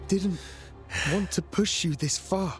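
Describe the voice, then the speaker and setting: A man's voice: sits high, slow. An actor playing an earnest young male warrior hero in a video game, with dramatic delivery. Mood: anguished. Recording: loud game music underneath. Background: loud game music.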